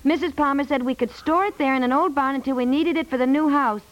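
A woman's voice: high voice, fast, lo-fi sound, a little hiss or hum, natural voice. A woman playing an exasperated, wry housewife and new mother in a 1950s radio comedy, scolding with emphatic delivery. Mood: indignant, exasperated. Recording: slightly aged 1950s radio recording.

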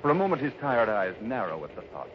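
A man's voice: medium pitch, big pitch swings, fast. A man narrating a 1950s radio adventure in a theatrical, suspenseful scripted style. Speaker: announcer and narrator. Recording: muffled, very noisy old radio recording.

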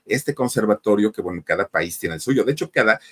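A man's voice: on the low side, animated, fairly quick, fairly bright tone, breathy edge. A man with a Mexican accent telling a life story in a chatty, casual way, often addressing the listeners directly. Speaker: storyteller, channel host.

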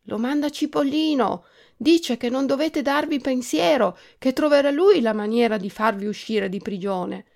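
A woman doing a tiny high strawberry girl. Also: normal speed, vocal fry, a little mellow. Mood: urgent.

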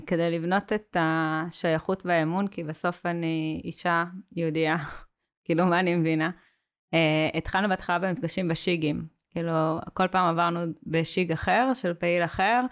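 A woman's voice: fairly low pitch, clean tone. A woman speaking as a guest in a podcast interview, talking hesitantly with many filler sounds and restarts. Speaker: community worker, guest.

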